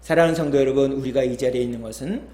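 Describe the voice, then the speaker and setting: A man telling a story as a pastor in a sermon, animated, acting out the characters' lines. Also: racing, reverberant. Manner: animated storyteller, acts out quoted lines with higher pitch.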